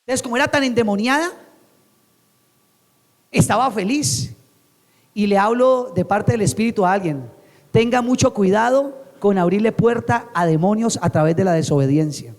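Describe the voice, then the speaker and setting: High-voiced animated male preacher. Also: moderate pace. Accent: Colombian Spanish. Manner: animated preaching, quotes scripture in dramatic voices. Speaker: pastor. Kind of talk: sermon. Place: church sanctuary. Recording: long church reverb.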